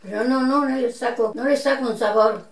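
A woman's voice: on the high side, fairly quick, distant mic. An older grandmother, chewing while she talks in a plainspoken, homely way during a casual family chat. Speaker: grandmother in a family food-tasting video. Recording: echoey room.

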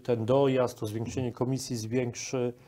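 A man's voice: mid-range voice, level tone, normal speed, dark tone. A man in his forties interviewing a guest as a program host, on a lapel microphone in a studio. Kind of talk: broadcast interview.

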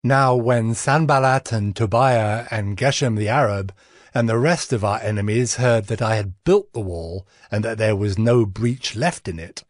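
A man playing a righteous governor narrating his deeds in a dramatized scripture reading, measured and earnest. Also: fairly low pitch, no echo, studio quality. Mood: earnest, resolute. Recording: music bed behind the voice.

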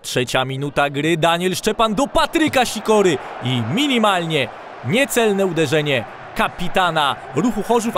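A man narrating football match highlights as commentator, calm between chances and shouting when shots come. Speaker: sports commentator. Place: voice-over over stadium crowd sound. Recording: loud crowd and field noise underneath. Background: stadium crowd and noise.

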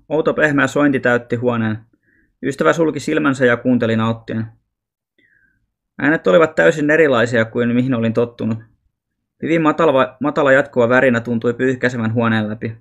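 A man reads a children's novel aloud as an audiobook. His storytelling is calm and even, and his voice sits at a middle pitch. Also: gravelly. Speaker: audiobook reader.

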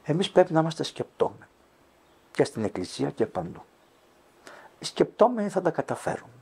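A man's voice: on the high side, big pitch swings, gravelly, a little mellow, breathy edge. An older man, a Greek Orthodox priest, talking earnestly in an interview and telling stories with quoted dialogue. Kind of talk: interview answer, storytelling.

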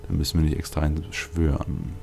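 A man's voice: very deep voice, fairly even intonation, a little fast, gravelly, a little mellow. A man giving casual gameplay commentary as a let's play host, rambling and thinking aloud. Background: video game music.

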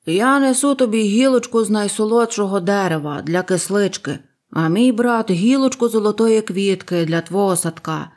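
A woman's voice: medium pitch, moderate pace, darkish tone, close to an everyday voice. A woman doing quarrelsome young bird brothers. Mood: earnest, arguing. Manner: earnest, arguing.

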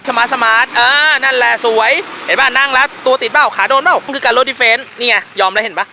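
Fast, bright-voiced male dog trainer. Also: very high voice, gravelly, slight background noise. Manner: coaching and explaining, firm short commands. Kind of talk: on-location dog training instruction.

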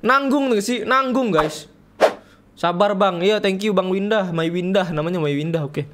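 A man's voice: high voice, normal speed, background noise. A young man, streaming a horror game with rowdy, joking, slangy commentary and reading the game's text aloud. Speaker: gaming streamer.

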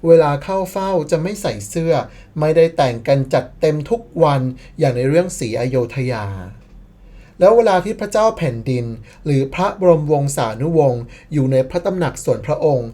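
A woman's voice: sits low, expressive, moderate pace, mellow. A woman narrating a scripted history commentary as the channel admin, playful and sarcastic, with bursts of mock disbelief.

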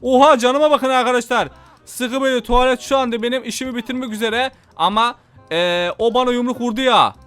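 A man's voice: extremely high pitch, a little fast, fairly bright tone, clean tone, soft background music. A young man giving rowdy, joking commentary on his own gameplay and talking straight to his viewers. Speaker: gameplay video host. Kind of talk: excited gaming commentary.

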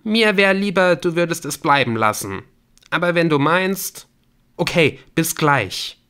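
Audiobook role: wounded young girlfriend, played by a male narrator, raised pitch, forceful, snappy and accusing. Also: expressive, unhurried, smooth, exaggerated voice. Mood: reluctant, curt. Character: hurt, angry, biting young woman, the girlfriend.

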